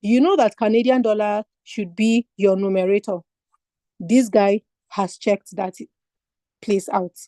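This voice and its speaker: Dark-voiced woman tutoring online. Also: medium pitch, steady tone, measured pace, dry recording, studio quality. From Nigeria. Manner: patient step-by-step explaining with rhetorical questions. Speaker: finance exam tutor. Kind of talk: online lecture.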